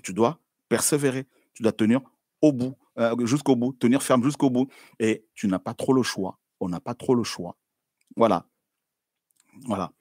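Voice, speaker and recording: A man preaching a sermon in a conversational, repetitive way, often asking "hein?" and swinging between loud exclamations and quiet asides. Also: mid-range voice, no room sound, clean studio sound.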